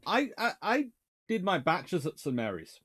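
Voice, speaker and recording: A man's voice: sits high, normal speed, husky. A man in his thirties hosting a casual livestream from his home study, reading out viewer comments and rambling through answers with restarts. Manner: rambling, animated, with many restarts and fillers. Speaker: naval history livestream host. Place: small home study with shelves of books.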